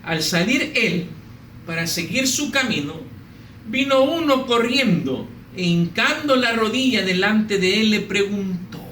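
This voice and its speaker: Pastor guy preaching, bright sharp voice, a bit far from the mic. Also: high-pitched, unhurried. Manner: animated, humorous storytelling with mimicked voices. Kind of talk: sermon. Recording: echoey room, slightly distant mic, faint noise.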